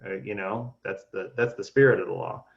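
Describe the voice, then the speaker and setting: Halting man chairing a meeting, muffled. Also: deep voice, vocal fry. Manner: halting, many restarts and fillers. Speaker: board member leading the meeting. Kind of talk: casual meeting discussion.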